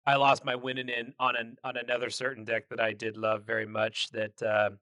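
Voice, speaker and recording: A man's voice: mid-range voice, completely flat delivery, fairly quick, sharp tone, dry recording. A man co-hosting a podcast in casual chat, joking and laughing often, with plenty of fillers and restarts. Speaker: podcast co-host.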